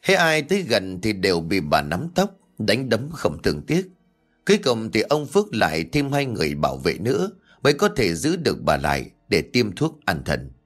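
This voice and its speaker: A man's voice: wildly swooping pitch, normal speed. A man narrating a scripted horror folk tale in a dramatic way. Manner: dramatic, with sweeping pitch swings. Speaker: storyteller. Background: faint background music.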